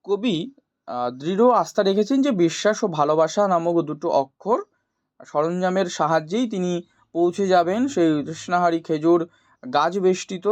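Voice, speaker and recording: High-voiced man teaching a lesson. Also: a little mellow, dry recording. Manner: didactic, often asks questions and answers them himself. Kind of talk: explanatory poetry lesson for students.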